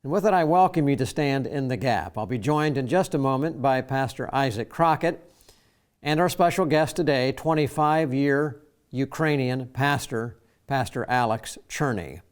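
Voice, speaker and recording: A man hosting a Christian talk program, opening with a formal, measured scripted introduction. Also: medium pitch, clear, resonant tone. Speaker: radio program host.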